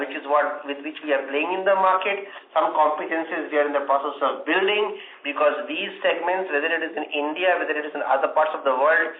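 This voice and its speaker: A male executive heard over a roomy, narrow phone line, his voice slightly high. He answers questions off the cuff in a measured, halting way, pausing often as he qualifies his points. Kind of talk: unscripted earnings call answers. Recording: roomy, band-limited conference phone line.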